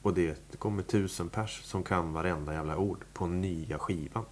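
A man's voice: low-pitched, a little hiss or hum. A man, a musician, talking casually in an interview, rambling with many fillers and restarts. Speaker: musician guest. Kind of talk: relaxed interview talk.

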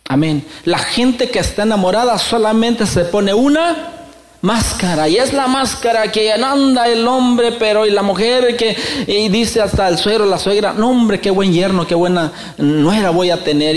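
Middle-aged male pastor, high voice, folksy storytelling sermon. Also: reverberant, a little hiss or hum. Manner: folksy, animated storytelling with joking asides.

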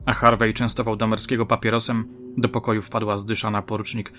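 A man reading his own crime story aloud in measured, dramatic narration. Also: fairly low pitch, flat delivery, fairly bright tone, slight background noise. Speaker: author and narrator.

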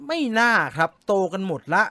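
Man, high voice, bright tone, casual stream chat, reads comments aloud, joking, close mic. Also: big pitch swings, moderate pace, no echo. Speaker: live stream host reading viewer comments.

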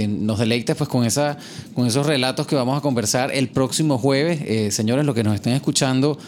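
A man's voice: medium pitch, darkish tone. A man hosts a radio interview, working through his questions with plenty of fillers and restarts. A faint hiss sits under his voice. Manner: hesitant, many fillers and restarts. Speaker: host.

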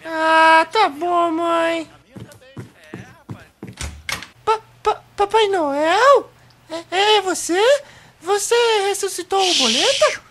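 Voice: very high-pitched, takes it slowly, echoey room, noisy background. A woman voicing an earnest, polite little Brazilian boy with a childlike manner in a comedic amateur radio play. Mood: startled, excited.

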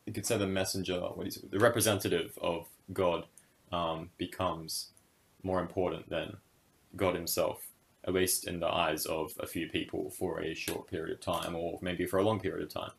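A man's voice: sits low, little pitch movement, normal speed, vocal fry. A young man co-hosting a casual podcast discussion, speaking thoughtfully and hesitantly with many fillers and restarts. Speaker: podcast co-host.

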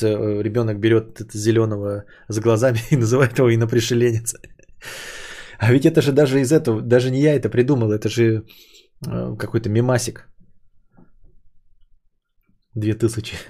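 A man chatting on his own podcast in a loose, rambling way. He jokes around, twists words on purpose and drifts from topic to topic, at an ordinary middle pitch. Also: darkish tone. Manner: jokey, rambling, deliberately mangles words. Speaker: podcast host. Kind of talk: casual solo podcast chat.

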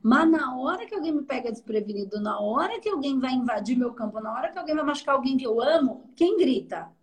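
A woman with a Brazilian accent, an energy therapist mentoring a student in casual conversation, explaining in an animated way and often checking that she is understood. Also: high-pitched, fast talker.

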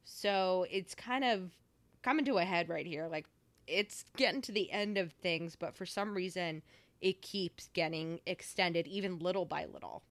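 A woman's voice: fairly low pitch, measured pace, no echo. A young woman co-hosting a podcast in casual chat, talking loosely with many fillers. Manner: chatty, many fillers like "like" and "you know". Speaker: podcast co-host.

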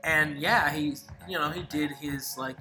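A person talks in a casual, conversational style at a medium pitch. Music can be heard clearly behind the voice. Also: steady tone, measured pace. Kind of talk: casual chat.

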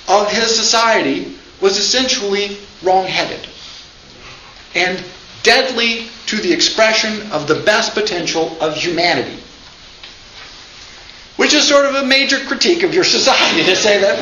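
Male lecturer, high and bright, wisecracking delivery, echoey classroom recording. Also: a little hiss or hum. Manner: lively, joking, acts out quotes. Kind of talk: informal lecture. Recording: echoey room, dull lo-fi sound.

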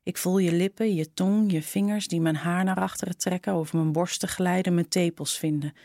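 A woman narrating a short story in a slow, intimate reading style. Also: lowish voice, fairly even intonation, warm tone, no room sound, studio quality. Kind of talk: scripted storytelling.

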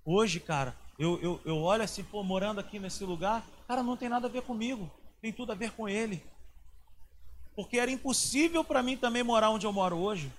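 A man, preaching a sermon as a pastor, telling a personal story that swings between hushed and loud passages. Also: sits high, brisk, slight background noise.

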